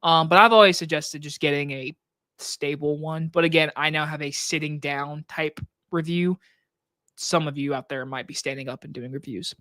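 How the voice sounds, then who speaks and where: A man with a scratchy, hoarse throat hosting a casual live stream Q&A from his desk, talking loosely with plenty of likes and restarts into a microphone on a boom arm. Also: fairly even intonation, normal speed, sharp tone, no room sound. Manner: loose, rambling talk with many likes and restarts. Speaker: movie reviewer and channel host. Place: home desk setup.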